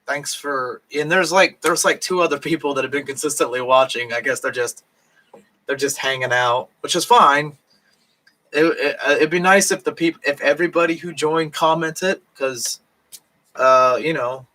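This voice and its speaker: A man's voice: mid-range voice, bright, forceful tone, poor audio. Drunk man rambling on a live stream. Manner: rambling, halting, many fillers and restarts. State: voice going hoarse. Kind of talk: rambling late-night live stream chat. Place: home in Japan.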